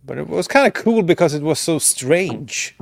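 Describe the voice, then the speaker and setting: A male podcast host from Sweden in casual live chat, rambling and trailing off into quiet asides. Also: fairly high pitch, lively intonation, normal speed, creaky, slight background noise.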